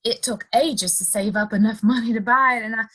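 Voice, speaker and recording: A woman's voice: on the high side, steady tone, brisk, fairly bright tone, husky. A woman playing a sweet, earnest, modest young woman of the frontier in a western audio play. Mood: delighted.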